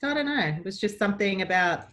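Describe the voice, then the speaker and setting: A woman's voice: medium pitch, expressive, fast talker, fairly bright tone. An Australian woman in her forties, a podcast guest chatting casually and upbeat about her childhood. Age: 40s. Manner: chatty and upbeat, given to reminiscing. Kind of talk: casual interview chat.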